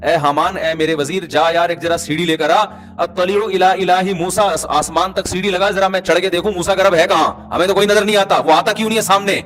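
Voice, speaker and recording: Male preacher, slightly high voice, animated and rhetorical conversational sermon, faint music bed. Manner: animated, rhetorical, teasing the audience. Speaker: Islamic preacher.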